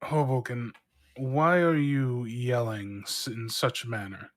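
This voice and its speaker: A man's voice: medium pitch, fairly even intonation, takes it slowly, no room sound, clean studio sound. A man bantering casually as a player in a tabletop game.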